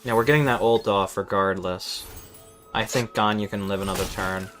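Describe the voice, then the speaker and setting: A man's voice: on the low side, fairly even intonation, normal speed, a bit bright. A man streaming a game with casual, exasperated, sweary running commentary, often stammering over repeated words. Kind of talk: casual live gameplay commentary. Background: game music.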